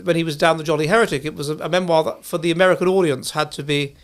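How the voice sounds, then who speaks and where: Posh English male host, slightly high-pitched, halting delivery with many restarts. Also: fairly even intonation. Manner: halting, full of restarts and repeated words. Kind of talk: interview host, chatty.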